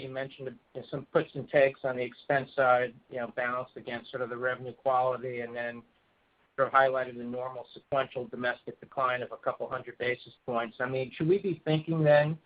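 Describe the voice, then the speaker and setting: A man phoning in as a financial analyst, asking questions in a casual, hedging way. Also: medium pitch. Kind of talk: question on earnings call. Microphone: telephone. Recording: tinny narrowband phone line.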